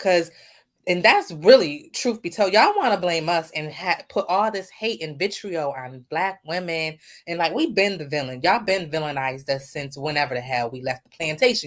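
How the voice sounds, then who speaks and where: Her pitch is very deep and low, and this woman's intonation is lively. She speaks at a moderate pace, with big swings in loudness. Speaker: podcast panelist. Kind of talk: casual group chat. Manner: soft-spoken.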